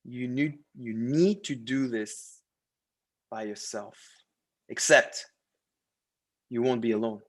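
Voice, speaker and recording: A man's voice: medium pitch, slow, long pauses. A man working as a language coach, presenting a course in a promotional, partly read-out style with short, emphatic phrases.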